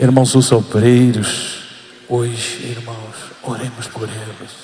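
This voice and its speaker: Very slowly and in a monotone, flat intonation, a man speaks against noticeable background noise. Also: medium pitch for a man. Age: 70s. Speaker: retired pastor. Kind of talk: sermon.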